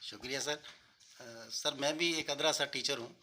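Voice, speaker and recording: A man's voice: medium pitch, pushed and bright, a little hiss or hum. A male schoolteacher earnestly explaining English grammar points in conversation, using many examples.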